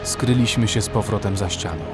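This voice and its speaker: Male first-person horror narrator, slightly deep, dramatic scripted read with music underneath. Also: fairly quick. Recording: music behind the voice.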